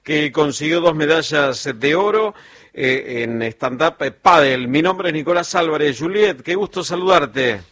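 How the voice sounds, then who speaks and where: A man's voice: a little high, animated, measured pace, a bit bright. A man hosting a live radio interview, friendly and conversational. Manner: friendly, conversational, steers the call. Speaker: radio host.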